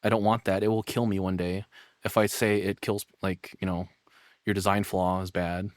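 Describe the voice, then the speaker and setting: A man giving casual, rambling reaction commentary as a streamer, sarcastic and quick to swear. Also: sits low, level tone, dry recording, studio quality.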